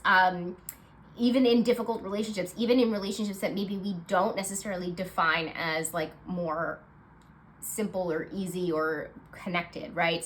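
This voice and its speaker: A woman's voice: mid-range voice, a bit bright, a little hiss or hum. A woman with a nasal, stuffed-up voice giving a casual monthly tarot reading, chatty and reassuring with lots of fillers. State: congested, nasal voice. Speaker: tarot card reader.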